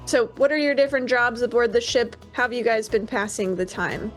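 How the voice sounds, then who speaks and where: A woman's voice: on the high side, fairly quick, faint music behind. A woman running a tabletop pirate game, narrating in a casual, chatty way. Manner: casual, chatty, laughs easily. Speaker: game master.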